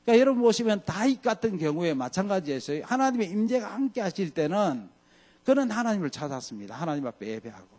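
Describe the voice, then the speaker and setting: Animated Korean pastor preaching. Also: male voice, fast. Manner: animated preaching, voice swings from loud highs to quiet lows; acts out scripture quotes in dramatic voices. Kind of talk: sermon.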